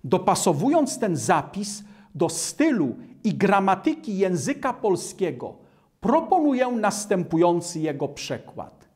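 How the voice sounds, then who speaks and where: An older man preaching a sermon in a slow, measured way, recorded in a studio. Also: high-pitched, very animated, a little mellow. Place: studio in front of a starry-sky backdrop.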